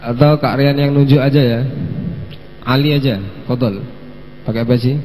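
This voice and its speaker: A man hosting a live-streamed children's story lesson, gently coaxing the kids to answer and sprinkling in Arabic phrases. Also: medium pitch, steady tone, normal speed. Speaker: children's religious teacher and host. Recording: long hall reverb with faint mains hum.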